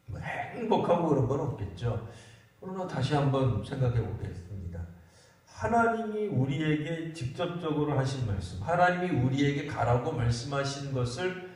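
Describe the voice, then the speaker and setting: A man's voice: mid-range voice, sing-song, moderate pace, a little mellow. A male pastor giving a sermon at a Friday prayer meeting, speaking conversationally and posing rhetorical questions to the congregation. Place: church sanctuary. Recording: echoey church hall, mic at a distance.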